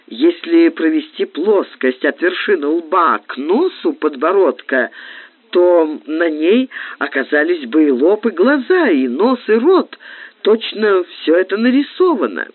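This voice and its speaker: A man narrating a literary audiobook with expressive, theatrical phrasing. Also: on the high side, measured pace. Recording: tinny phone-like lo-fi recording.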